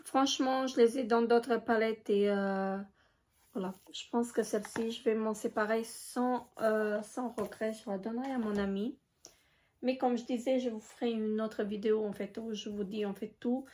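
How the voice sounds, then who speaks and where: A woman chatting casually in a show-and-tell vlog, hesitant with many filler pauses. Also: fairly high pitch, fairly even intonation, a little mellow, a little hiss or hum. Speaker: beauty vlogger.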